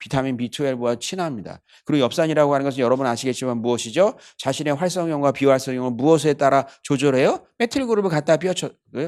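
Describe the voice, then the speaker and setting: Talking at a very fast pace, a man uses lively intonation in a fairly high pitch. The recording is very clean, with a silent background. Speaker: exam prep lecturer. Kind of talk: lecture.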